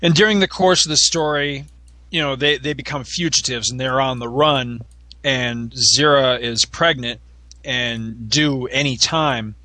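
A man's voice: mid-range voice, unhurried, sharp tone, no echo. A middle-aged man co-hosting a podcast, chatting casually and nostalgically with plenty of fillers. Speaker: podcast co-host. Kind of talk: casual chat.

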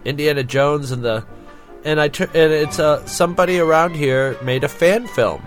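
A man chatting casually as a podcast co-host in a rambling, halting way. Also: on the high side, faint music behind. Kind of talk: casual chat.

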